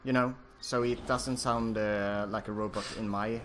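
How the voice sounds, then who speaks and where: A man's voice: lowish voice, steady tone, normal speed, fairly bright tone. A man co-hosting a let's play, hesitant and searching for words. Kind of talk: casual game commentary. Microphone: home mic over internet call.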